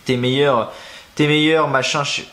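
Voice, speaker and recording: A man's voice: mid-range voice, fairly even intonation, a little slow, pushed and bright. A young man chatting casually to camera, rambling and slangy, thinking aloud as he searches for things. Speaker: wrestling news youtuber.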